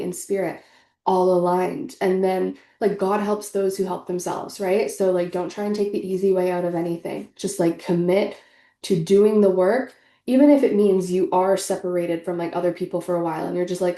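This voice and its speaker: Young woman, congested, stuffy nose, mellow tone, roomy echo, casual tarot chat. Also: fairly low pitch, fairly even intonation, brisk. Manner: chatty, filler-heavy, earnest spiritual talk. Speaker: tarot reader. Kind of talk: casual tarot reading vlog.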